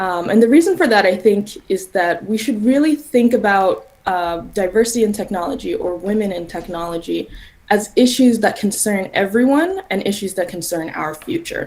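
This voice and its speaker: A woman's plain, everyday voice at medium pitch, lively in intonation and moderate in pace. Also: hardly any pauses. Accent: American. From US, Denver. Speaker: robotics engineer, invited speaker. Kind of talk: presentation talk. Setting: live stream. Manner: many filler ums.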